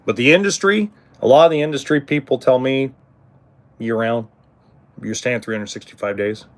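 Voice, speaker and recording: Speaking at an ordinary pace in a mid-range voice, a middle-aged RV livestream host chats casually with his viewers. His answers ramble, with lots of ums, false starts, and blunt swearing.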